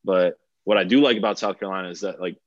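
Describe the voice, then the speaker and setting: A young Bulgarian DJ, guesting on a podcast, chats casually through the interview in a loose, rambling way, piling up fillers and restarting sentences. He talks fast in a very low voice. The lo-fi sound is dry, slightly dull and echo-free.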